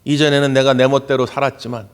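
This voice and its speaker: A male pastor preaching a Sunday sermon in a church sanctuary. He tells stories in an animated way and acts out the voices of the people in them. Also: mid-range voice, fast, smooth. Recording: long church hall reverb.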